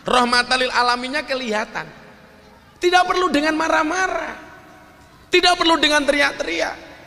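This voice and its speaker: Joking preacher in a hall. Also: male voice, extremely high pitch, moderate pace, gravelly. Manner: joking storyteller, rises to loud emphatic peaks. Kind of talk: humorous live sermon. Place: live event hall with audience.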